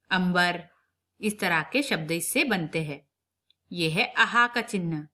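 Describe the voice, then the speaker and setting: Slow, lively woman teacher dictating. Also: on the low side. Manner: slow, drawn-out dictation with repeated sentences; quicker, explanatory asides to pupils. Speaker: primary school Hindi teacher. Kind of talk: online lesson for young children.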